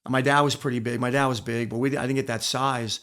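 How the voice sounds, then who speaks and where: A man's voice: mid-range voice, little pitch movement, quick pace, a bit bright. A middle-aged man speaking as a podcast guest, telling candid stories from his sporting life in an emphatic way, repeating phrases for weight. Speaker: interview guest, former wrestler and coach. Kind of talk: candid storytelling in a podcast interview.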